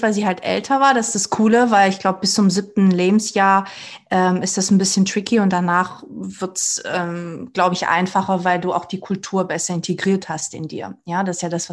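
Reflective woman in her thirties, slight Swabian accent. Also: on the low side. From Portugal, raised near Stuttgart. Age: 30s. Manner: reflective, with many fillers and restarts. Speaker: guest, coach for women. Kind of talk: casual interview chat.

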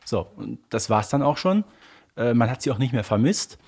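A slightly husky man with a German accent co-hosting a casual fan discussion, with a mock-incredulous, questioning manner. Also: medium pitch, expressive, normal speed, a little mellow. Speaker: podcast co-host.

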